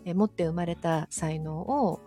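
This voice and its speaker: A woman's voice: fairly low pitch, measured pace, mellow. Soothing, polite woman chatting over music. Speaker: interview guest, audio streamer. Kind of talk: casual interview chat.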